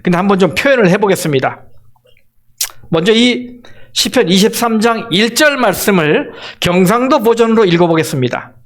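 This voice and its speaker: A man from Seoul, a pastor, preaching a sermon and asking the congregation question after question, slowing down to stress key words. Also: sits high, animated. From Seoul, South Korea. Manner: asks the congregation rhetorical questions.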